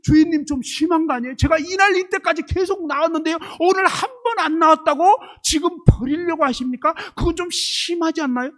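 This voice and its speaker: A man's voice: very high-pitched, fairly quick, few pauses, a bit bright, pitched above the performer's own voice. A man voicing an indignant talking pen. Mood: indignant pleading. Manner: aggrieved, protesting politely. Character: pleading talking ballpoint pen, indignant servant.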